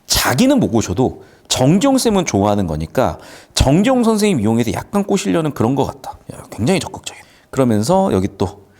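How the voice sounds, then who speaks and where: Male tutor, lively swooping delivery, playful classroom lecturer. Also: mid-range voice. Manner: lively, jokey, acts out characters' lines. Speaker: Korean literature tutor. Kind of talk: classroom lecture explaining a screenplay.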